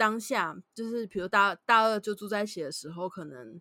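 A woman's bright, sharp tone at a medium pitch and a fairly quick pace, in a very clean recording with a silent background. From Taiwan. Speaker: office worker, podcast co-host. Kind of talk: casual chat.

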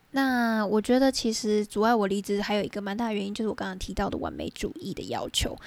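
Talking at a very fast pace, a woman speaks with a fairly high pitch. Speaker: podcaster. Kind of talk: casual solo monologue.

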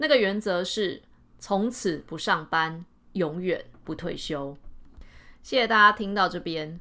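On a very clean recording with a silent background, a woman uses an ordinary speaking voice at a medium pitch with ordinary pitch variation. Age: 30s. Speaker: podcast host and lifestyle coach. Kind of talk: solo podcast monologue.

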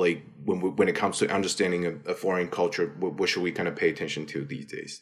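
On a very clean recording with a silent background, a man with a Chinese accent speaks very fast with big swings in loudness. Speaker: podcast host. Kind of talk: interview. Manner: halting.

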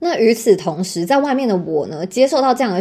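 The tone of this woman is dark and mellow. Her intonation is lively. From Taiwan. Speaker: podcast host. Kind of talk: storytelling monologue.

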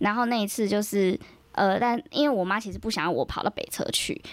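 The woman's pitch is medium. She speaks very fast. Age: 20s. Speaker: university student. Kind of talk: casual chat. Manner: soft-spoken.

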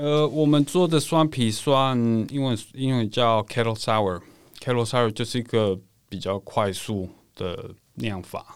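A man with a non-native accent, medium-pitched and very slow, with ordinary pitch variation, on a very clean recording with a silent background. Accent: foreign accent in Mandarin. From Colombia. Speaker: craft brewery founder. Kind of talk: casual interview. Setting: studio. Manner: halting.

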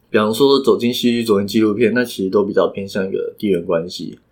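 At a moderate pace, a man talks in a normal speaking voice of medium pitch with ordinary pitch variation. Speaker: university student, documentary maker. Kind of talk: casual chat.

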